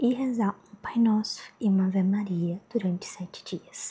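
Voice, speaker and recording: Her voice has a dark, mellow tone, somewhat breathy, at a medium pitch with ordinary pitch variation for this woman. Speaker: ASMR artist. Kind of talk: ASMR video introduction.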